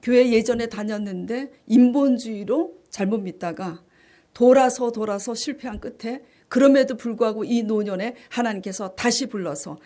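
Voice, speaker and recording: A woman pastor giving a sermon. She asks her congregation questions and answers them herself, and she reads scripture in a hushed, slower voice. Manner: rises in pitch and volume on key phrases. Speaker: senior pastor.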